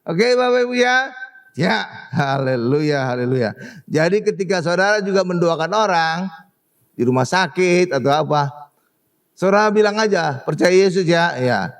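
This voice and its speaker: Animated high-voiced preacher. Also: male voice. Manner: animated, exclaiming and asking the congregation for agreement. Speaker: pastor. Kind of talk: sermon.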